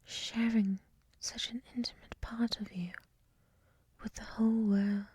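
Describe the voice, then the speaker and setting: A woman voicing a gentle dryad librarian in a soft, breathy whisper for an ASMR roleplay, speaking in a hushed, soothing, reflective way close to the microphone. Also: medium pitch, little pitch movement, a little slow, slight background noise, close to an everyday voice. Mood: serene, dreamy.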